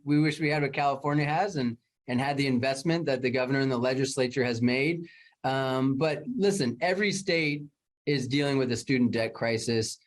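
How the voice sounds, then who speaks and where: A man speaking as a state program official, answering press questions in an earnest way with frequent restarts. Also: mid-range voice. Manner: earnest, many fillers and restarts.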